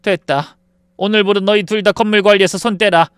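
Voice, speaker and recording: A man's voice: sits high, fairly even intonation, fairly quick, smooth, dry recording, voice pushed up, lightly acted. Man voicing an enraged older landlord mother. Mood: furious. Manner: scolding, sharp demands. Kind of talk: dramatized story reading.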